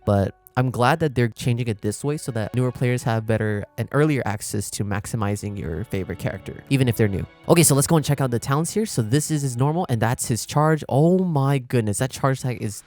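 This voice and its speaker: A man's voice: medium pitch, lively intonation, fairly quick, hardly any pauses, a little mellow. A man giving casual, chatty reaction commentary as a gaming content creator, explaining things as he goes. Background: music.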